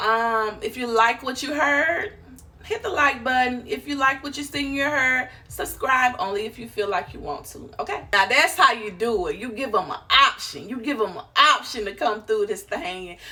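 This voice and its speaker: A woman's high-pitched voice at a moderate pace, with lively intonation, big swings in loudness and hardly any pauses, over noticeable background noise. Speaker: YouTuber. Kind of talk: casual vlog talk to camera.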